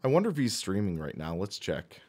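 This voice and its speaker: A man with a hoarse voice casually narrating a sim racing live stream, thinking aloud as he goes. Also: deep voice, sing-song, a little fast, a little mellow. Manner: chatty, thinks aloud while clicking menus.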